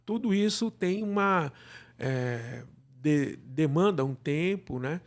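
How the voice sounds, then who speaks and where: A man with a Brazilian accent answering interview questions conversationally, explaining in a halting way and often checking with the listener. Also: fairly high pitch, expressive. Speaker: podcast guest, radio drama producer.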